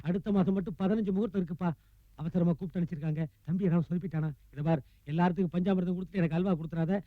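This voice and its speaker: A man's voice: high voice, fairly even intonation, rapid-fire, no room sound, narrow, tinny audio, lightly acted. An actor playing a fawning, melodramatic male estate servant in a comedy, wailing and theatrically self-abasing. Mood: grumbling. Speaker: loyal servant of a rich widow. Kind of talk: 1990s film comedy acting.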